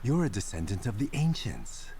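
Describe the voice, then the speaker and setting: A man's voice: fairly low pitch, wildly swooping pitch, dark tone, slight background noise. A male actor playing a formal, persuasive corporate agent with ulterior motives in a dramatic video game. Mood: calm, persuasive. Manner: formal, measured wording.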